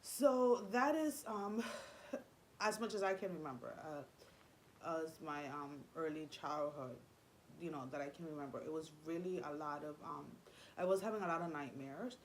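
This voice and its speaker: A young woman whose first language is Spanish speaks in a low, unhurried voice. She confides her story in a rambling way, full of fillers and false starts. A faint hum of room noise sits underneath her. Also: poor audio. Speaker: vlogger. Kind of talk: personal storytelling vlog.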